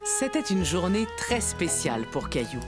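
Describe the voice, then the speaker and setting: A woman narrating a children's cartoon in a scripted, expressive storytelling manner. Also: lowish voice, normal speed, over music.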